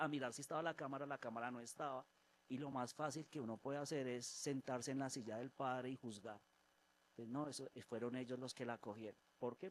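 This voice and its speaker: A man giving a spoken testimony in a church service, telling his story in an animated way, acting out voices and often restarting his phrases. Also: mid-range voice, a little hiss or hum.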